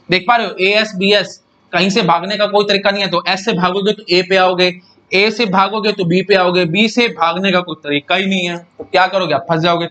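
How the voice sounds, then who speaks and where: A man's voice: sits high, sharp tone. A man giving a casual, chatty lecture, repeating points and often checking whether students follow. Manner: chatty, repeats himself, keeps asking students if they follow. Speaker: teacher.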